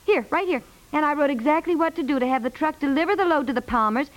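A woman's voice: sits high, fast talker, lightly acted. A woman playing an exasperated, wry housewife and new mother in a 1950s radio comedy, scolding with emphatic delivery. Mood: indignant, exasperated. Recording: slightly aged 1950s radio recording.

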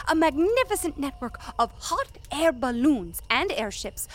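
Woman doing a stiff formal storyteller, pompous and precise, higher voice, lively pitch. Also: a little hiss or hum. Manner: pompous, over-precise wording.

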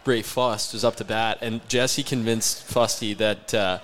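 A man's voice: on the low side, steady tone, a little slow, fairly bright tone, a little hiss or hum. A young man, a hockey player, telling jokey stories in a casual interview and laughing often. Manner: chatty, joking, laughs often.

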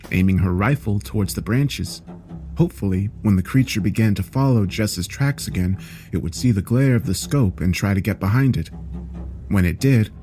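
A man reading a scripted horror story in a measured, serious way, as a storyteller. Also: on the low side, warm tone. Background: background music.

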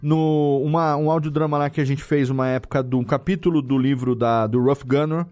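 A man's voice: fairly high pitch, steady tone, a little fast, darkish tone, dull audio. A Brazilian man hosting a podcast in casual conversation, informal and slangy, swearing lightly. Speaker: podcast host. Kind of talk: casual chat.

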